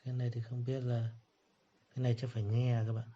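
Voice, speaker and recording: A man teaching English pronunciation, repeating each word slowly before explaining it. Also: medium pitch, monotone, dark tone. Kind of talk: pronunciation lesson. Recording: dull lo-fi recording.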